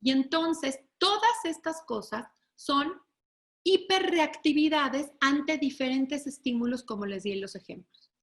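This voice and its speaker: A woman delivers a webinar lecture in a high, bright-pitched voice. She explains patiently and keeps checking in with her listeners. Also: expressive, a little slow. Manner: explanatory, asks the audience "¿sí?" to check understanding; acts out children and parents in raised voices.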